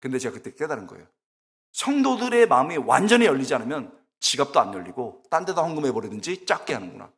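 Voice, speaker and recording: A middle-aged man preaching a sermon, telling funny stories in an animated, exclamatory way and acting out the people in them. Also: medium pitch, fast. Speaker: guest preacher, preaching professor. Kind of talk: sermon with humorous storytelling. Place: church sanctuary. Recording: long church reverb.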